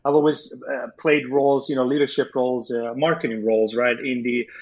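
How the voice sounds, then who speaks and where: A middle-aged man from Italy speaks as an interview guest. He talks conversationally in a halting way, repeating words and tagging phrases with a questioning "right?". His voice sits at an ordinary pitch, and the recording is slightly dull and lo-fi. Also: fairly even intonation. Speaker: interview guest, art collector and entrepreneur.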